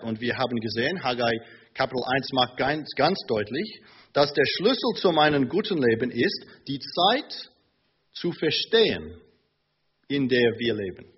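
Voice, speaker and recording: A man preaching a sermon in a church, slow and emphatic with hesitant fillers. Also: medium pitch, slight background noise. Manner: hesitant fillers between phrases. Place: church in Munich. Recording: dull lo-fi sermon recording.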